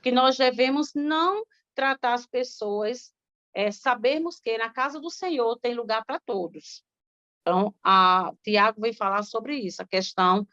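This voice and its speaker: Brazilian woman, Sunday school teacher, explanatory tone, high pitch, dull dry recording. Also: fairly bright tone, no echo. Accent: Brazilian Portuguese. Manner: explanatory, with filler tags. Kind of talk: Bible study podcast discussion.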